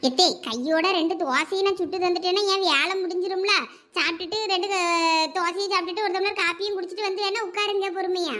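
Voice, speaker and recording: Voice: very high-pitched, steady tone, fast, sharp tone. A voice actor playing a patient young wife coaxing her mother-in-law in a cartoon, with a Thoothukudi Tamil accent. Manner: coaxing, persuasive. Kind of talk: cartoon voice acting.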